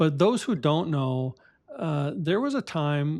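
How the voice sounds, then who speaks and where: With a bright, sharp tone and lively intonation, the voice moves at a fairly slow pace. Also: man. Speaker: podcast host. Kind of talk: podcast interview host.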